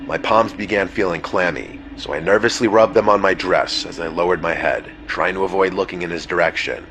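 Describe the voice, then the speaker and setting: A man reading a first-person horror story as scripted narration, in a measured, somber way that slows and drops low at the ends of phrases. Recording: steady ambient noise bed under the voice.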